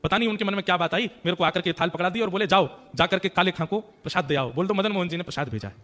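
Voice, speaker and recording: A playful divine boy posing as a temple watchman, voiced by a storyteller, calm and gently teasing. He talks quickly and plainly, in a fairly high voice, within a told temple legend. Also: long reverb tail.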